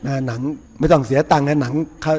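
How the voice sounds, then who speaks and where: A man's voice: medium pitch, steady tone, fast, a little mellow, breathy edge, big-room sound. A man, a Buddhist monk, giving a casual, folksy sermon with rhetorical questions and chuckles. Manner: folksy, chatty, with frequent laughs and rhetorical questions. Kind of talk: casual sermon before a meal. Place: temple hall.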